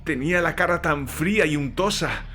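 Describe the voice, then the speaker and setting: A man's voice: fairly high pitch, moderate pace, sharp tone. Frightened young servant, acted by a man, over music. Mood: indignant, disgusted. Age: young adult. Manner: deferential, repeatedly addressing his master as sir. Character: young cockney ex-soldier servant, frightened but defensive. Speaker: voice actor in an audio drama. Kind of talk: dramatized horror audiobook dialogue.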